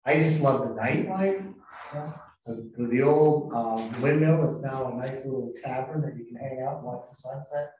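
A man's voice: mid-range voice, moderate pace, darkish tone, distant mic, a little hiss or hum. A man at a town board meeting, chatting and thinking aloud with enthusiasm. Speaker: board member. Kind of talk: casual meeting discussion. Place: town meeting room, large table. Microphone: far room microphone. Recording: echoey meeting room from afar, dull.

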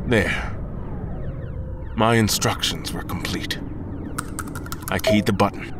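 An actor playing a proud, obsessive space admiral in an audio drama, betrayed and grim, with intense dramatic delivery. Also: male voice, low-pitched, heavy background noise. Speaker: lead actor and narrator. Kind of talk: audio drama acting and first-person narration.

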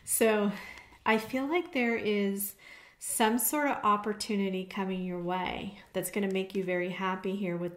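A woman's voice: mid-range voice, a bit bright. A woman giving a tarot card reading to her viewers in a casual way, often stopping to check in with "okay?". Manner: conversational, frequent "okay?" check-ins. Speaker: tarot reader. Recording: echoey room.

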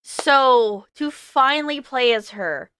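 A young woman casually reacting to a trailer on her channel, gushing, excitable, often shouting and swearing. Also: high voice, slow, smooth.

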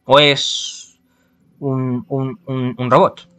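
A man's voice: mid-range voice, little pitch movement, very slow, a bit bright, smooth. A man from reads a visual novel aloud, adding casual, wry commentary as he goes. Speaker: gaming streamer.

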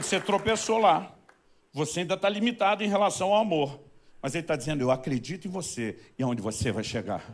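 A middle-aged man from Brazil, a pastor telling a story in a sermon, animated and rising loudly at the high points.

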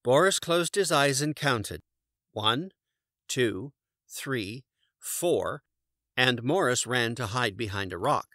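An older man reading a children's story as a narrator, with clear, deliberate enunciation. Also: mid-range voice, expressive, sharp tone, dry recording, clean studio sound.

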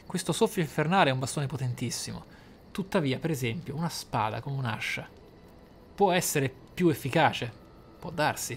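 A man commentating his game playthrough, thinking aloud in a deliberate, theatrical way with dramatic pauses. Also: on the high side. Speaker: gaming YouTuber, player. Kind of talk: game playthrough commentary with role-play musing. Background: game music.

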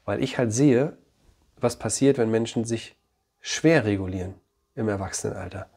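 A man in his thirties, a psychologist, giving direct advice on parenting and then gently questioning his young son. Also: on the low side, moderate pace, creaky, slightly rough. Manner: direct and explanatory, often checks in with "ja?". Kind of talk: advice talk to camera, then chat with his child.

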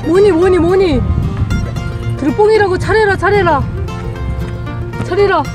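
A middle-aged woman outdoors by the sea, cheering loudly and urgently. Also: measured pace. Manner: shrill, loud, urgent cheering. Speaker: co-host, wife. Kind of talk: excited cheering. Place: outdoors on a rocky seashore. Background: background music.

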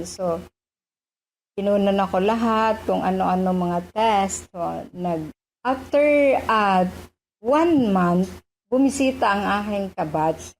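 A woman's voice: mid-range voice, a little mellow, slight background noise, low-quality recording. A woman doctor recounting her recovery from cancer in an interview, hesitating often with fillers and slipping into English phrases. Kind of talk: personal testimony in an interview.

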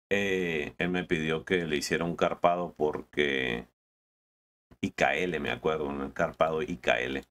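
A man's voice: extremely low pitch, a bit bright. A man, chatting casually while playing a truck game, often stumbling and repeating words. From Colombia. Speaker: gaming video host.

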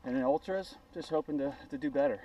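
A man's voice: fairly high pitch, big pitch swings, fast talker, creaky, dark tone, no echo. A man in his forties talks casually and encouragingly to a camera at arm's length while running outdoors, sounding exerted. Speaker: running vlogger. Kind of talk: casual motivational chat to camera. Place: outdoors on roadside paths, in wind. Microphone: action camera held at arm's length. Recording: windy outdoor action camera, distant, noisy.

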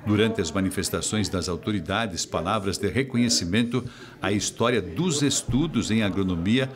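A man's voice: on the low side, normal speed, crowd noise. A man with a Brazilian accent reading scripted news narration as a reporter.

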